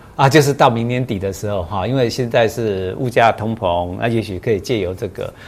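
In an ordinary speaking voice, the speaker moves at a fairly quick pace with ordinary pitch variation and hardly any pauses. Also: man, medium pitch for a man. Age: 50s. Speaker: interviewer, app founder. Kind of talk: casual interview.

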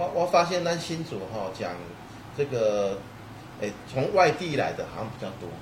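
At a moderate pace, a man with a fairly high pitch makes very wide pitch swings and takes long, frequent pauses, with audible room echo and noticeable background noise. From Taiwan, Kaohsiung. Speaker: beauty spa chain owner. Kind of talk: livestream interview.

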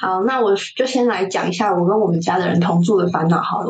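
A woman talks at a medium pitch with a Taiwanese accent. Her pitch varies in an ordinary way. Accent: Taiwanese Mandarin. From Taiwan, Yunlin. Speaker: podcast co-host. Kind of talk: casual chat. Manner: animated.

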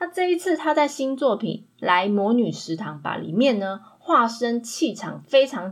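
A woman's very slow, somewhat breathy speech with very wide pitch swings. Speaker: podcast host, TV drama reviewer. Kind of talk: scripted drama review narration.

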